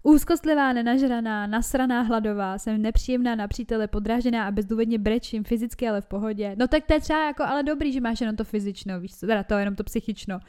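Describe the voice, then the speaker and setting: A young woman co-hosts a podcast in easy, casual chat, speaking frankly and swearing freely. Her voice sits a bit high, with a mellow, dark tone that stays smooth and clean. She often reads messages aloud. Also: few pauses. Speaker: podcast co-host.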